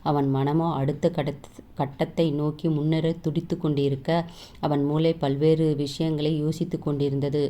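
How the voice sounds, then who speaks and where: Low, flat-voiced woman storyteller. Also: moderate pace. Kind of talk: reading a romance novel aloud.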